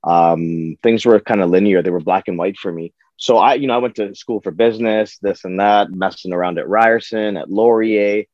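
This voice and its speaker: A man's voice: fairly low pitch, moderate pace, hardly any pauses, darkish tone, no room sound. A man from Toronto, chatting casually as an interview guest in slangy talk, on a slightly muffled recording. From Toronto, Canada. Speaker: podcast guest, chef.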